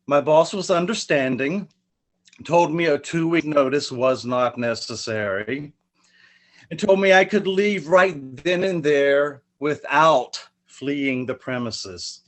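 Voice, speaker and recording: A man performing his own prose poem in a virtual reading over a video call, with a dramatic delivery that swings up and down. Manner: expressive dramatic reading, pitch rises and falls. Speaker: poet reading his work.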